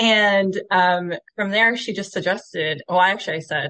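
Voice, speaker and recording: Using a plain, everyday voice, a woman talks at a moderate pace and a medium pitch. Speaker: fanfic writer and fan.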